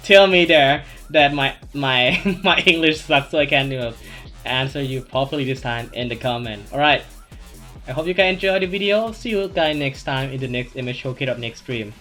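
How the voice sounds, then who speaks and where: A man's voice: mid-range voice, expressive, moderate pace, bright, forceful tone, faint music behind. A man with a thick Thai accent hosting a casual gaming Q&A, rambling with lots of fillers and restarts. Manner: rambling, many "you know" fillers and restarts. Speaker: gaming channel host. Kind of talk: casual Q&A commentary over gameplay.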